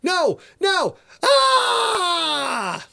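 Guy doing an alarmed navy radio guy in a storybook reading, high strained pitch, urgent clipped calls. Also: huge pitch swings, drawn-out words, creaky, sharp tone, shouting, full character voice. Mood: terrified. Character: alarmed male navy radio operator on a patrol boat.

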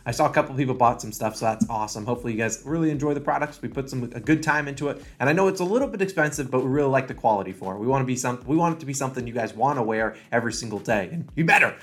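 American guy doing sports betting picks, talks really fast, confident tipster hype. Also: a little high. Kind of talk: sports picks video commentary.

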